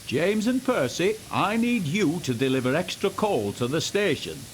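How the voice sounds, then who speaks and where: A man's voice: on the high side, sing-song, normal speed, slight background noise, voice pushed up. Railway boss for a storybook, read by a man: male, commanding, businesslike, varied intonation. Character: authoritative male railway controller.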